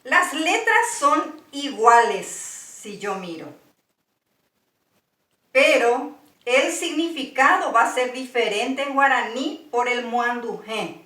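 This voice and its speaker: Woman with a Paraguayan Spanish accent, patient teacher, slightly high voice, a bit off-mic in an echoey room. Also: lively intonation, bright, forceful tone, distant mic. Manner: slow, patient, spells out sounds one by one. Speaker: language teacher. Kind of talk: slow, deliberate language lesson.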